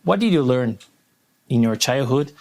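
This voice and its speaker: A podcast host, a man whose first language is Portuguese, asking questions in English. His voice has a gravelly edge and his phrasing is plainly non-native, earnest and curious. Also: mid-range voice, animated, normal speed, darkish tone. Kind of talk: interview questions.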